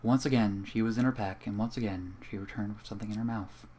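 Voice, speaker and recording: A young man reading a fan story aloud in a calm, even way at a home microphone. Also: lowish voice, fast, a little hiss or hum. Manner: casual and profane in the intro, then calm and even while reading. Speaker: fanfiction reader. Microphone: home computer microphone.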